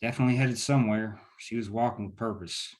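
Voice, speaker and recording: A man's voice: lowish voice, fast, lightly acted. A man playing a blunt, profane small-town lawman with a colloquial way of talking in a drama table read. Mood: wary.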